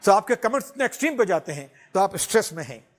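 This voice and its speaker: A middle-aged man lectures students with lively, animated delivery, often chuckling as he talks. His voice sits noticeably high for a man, and he drops English phrases freely into his talk. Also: fast talker.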